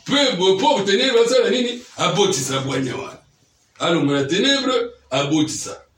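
A man's voice: high-pitched, animated, normal speed, a bit bright, slight background noise. A man preaching a teaching sermon, often checking that his listeners follow him with questions. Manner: keeps quizzing listeners with questions. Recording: echoey room, mic far off.

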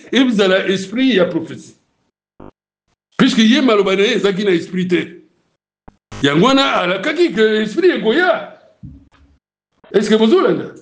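Un homme à l'congolais qui prêche un sermon et demande souvent à l'assemblée si c'est clair. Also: male voice, sits high. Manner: preaching in Lingala mixed with French, asking the crowd if it is clear. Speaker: preacher.

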